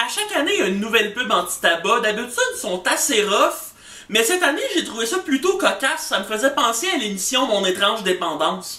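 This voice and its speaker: With music playing behind, the speaker uses a raised, projected voice at a fairly quick pace, the pitch swinging very widely. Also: man, extremely high pitch for a man. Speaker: web show host reviewing ads. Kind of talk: casual commentary.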